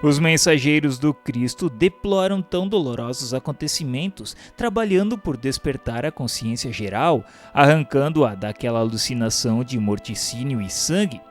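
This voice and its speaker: A man with a Brazilian accent reads scripted historical narration in a formal, solemn, measured delivery. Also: medium pitch, lively intonation. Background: music bed.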